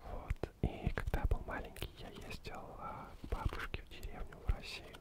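A man in his thirties from Ukraine whispers softly and breathily, calm, unhurried and lulling, very close to the microphone as he reads and chats as an ASMR host. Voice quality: soft, breathy, indistinct whisper. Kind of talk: whispered ASMR book reading and chat. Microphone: two foam-covered microphones, very close.

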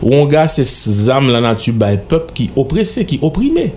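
A middle-aged man with a Haitian accent speaks in a mid-range, sing-song, slightly mellow voice at a moderate pace. He is a guest in a radio studio interview, talking emphatically, insistently and in a lecturing way into a studio mic on a stand. There is slight background noise.

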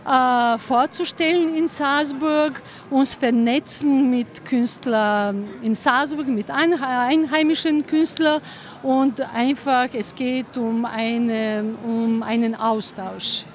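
A woman answers questions at an outdoor festival, pausing often and filling gaps. She speaks very slowly in a slightly high voice. Faint street noise sits behind her. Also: steady tone. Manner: hesitant, many fillers. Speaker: gallery founder. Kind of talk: interview answers. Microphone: handheld mic.

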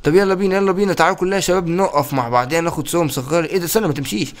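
Man, Egyptian Arabic accent, young adult, gaming commentary, rapid, slightly high voice. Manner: playful, chatty, addresses viewers directly. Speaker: gaming YouTuber. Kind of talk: casual gameplay commentary.

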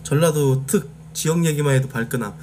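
A man's voice: fairly high pitch, fairly quick, a little mellow, slight background noise. A man from Jeolla, South Korea, chatting casually on a live stream. He talks bluntly, swears freely and answers his chat directly.

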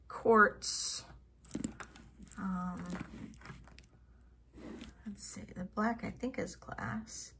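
A middle-aged woman casually showing off vintage jewelry finds, thinking aloud and trailing into soft mutters as she tests stones. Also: medium pitch, background noise. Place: home office at a table.

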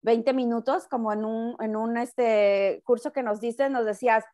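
A middle-aged Mexican woman chatting as a guest on a radio talk show, with a loud voice that sounds almost like shouting, often restarting and repeating her words. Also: a little high, steady tone, unhurried. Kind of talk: casual chat.

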